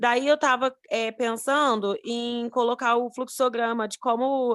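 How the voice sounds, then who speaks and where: On a very clean, dry recording with a close sound, no echo and a silent background, a woman speaks very slowly at a high pitch with monotone, flat intonation. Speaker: nursing student. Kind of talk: class discussion.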